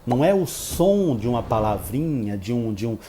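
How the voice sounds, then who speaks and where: A man's voice: medium pitch, sing-song, moderate pace, background noise. A Brazilian man, an English teacher, giving a chatty, informal pronunciation lesson and exaggerating the example sounds.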